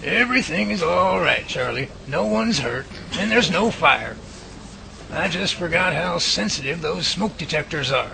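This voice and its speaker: Man acting a wry, animated professor, creaky voice. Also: fairly high pitch, unhurried, slight background noise, heavily acted, rough recording. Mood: reassuring. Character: exasperated, muttering male professor leading Bigfoot researchers. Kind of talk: audio drama acting.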